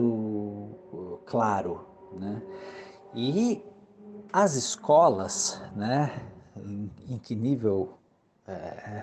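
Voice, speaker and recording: A Brazilian man giving an opinion off the cuff, haltingly searching for words. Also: medium pitch, gravelly, warm tone. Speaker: interviewee. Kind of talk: spontaneous opinion.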